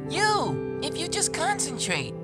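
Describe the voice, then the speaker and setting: A woman's voice: sits high, wildly swooping pitch, slow pace, exaggerated voice. A woman playing a confident, kind young boy, a big brother, in a fan audio drama. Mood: playful, kind. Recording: loud music over the voice.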